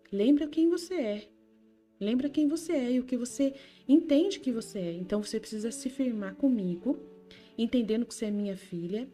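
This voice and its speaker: A woman speaking as Jesus, a gentle male divine figure, in a tender, reassuring way with her own voice. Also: mid-range voice, natural voice. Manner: tender, reassuring, addresses listener by name.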